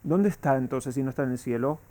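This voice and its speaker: A man's voice: medium pitch, fast, dark tone. A man, a rabbi, teaching a Talmud class and asking his students rhetorical questions.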